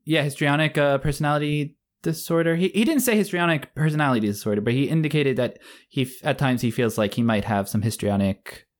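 A young man co-hosting a podcast in easy conversation, his voice a bit high and friendly. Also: quick pace, hardly any pauses. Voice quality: fairly high-pitched voice. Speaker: podcast co-host. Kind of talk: casual chat.

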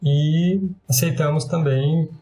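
A man guest on a podcast, calm and measured, with dry humor. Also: on the high side. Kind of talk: casual podcast chat.

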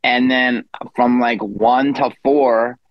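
A man's voice: mid-range voice, steady tone, slow pace, dry recording, lo-fi sound. A man in his fifties, a guest comedian telling a rambling story in a casual interview, with self-deprecating asides. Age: 50s.

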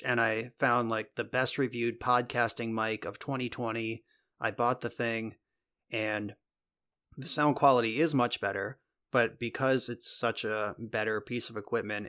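A man's voice: mid-range voice, fairly bright tone. A man co-hosting a podcast, telling a rambling story in casual chat and swearing now and then, recorded on a podcast mic in a home room. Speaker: podcast co-host. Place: converted guest bedroom at home. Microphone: podcast mic in a home recording space.

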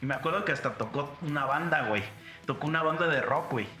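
A young Mexican man with a Mexican Spanish accent tells crude, slang-packed stories on a casual podcast. His voice sits a little high and sounds bright and forceful. The room is roomy and echoey, with music under him. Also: fast. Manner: crude slangy storytelling, acts out quotes. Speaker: podcast host. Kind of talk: casual chat.

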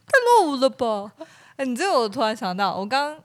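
A woman's voice: on the high side, moderate pace. A woman with a Taiwanese Mandarin accent, co-hosting a casual comedy podcast and telling a story, acting out the other people in it. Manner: animated storytelling with laughs and acted quotes. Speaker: podcast co-host.

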